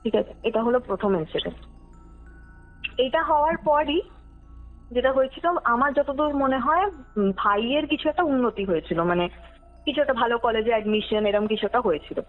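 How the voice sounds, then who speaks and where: A woman's voice: on the high side, animated, moderate pace, pauses often. A young woman tells a personal story conversationally, dropping in English words and checking that her listener follows. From West Bengal, India. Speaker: podcast guest telling her true ghost story. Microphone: phone call. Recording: tinny phone call, music underneath. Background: background music.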